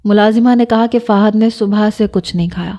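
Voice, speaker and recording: Mellow-voiced woman narrating a story. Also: mid-range voice, fairly even intonation. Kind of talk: scripted first-person story narration.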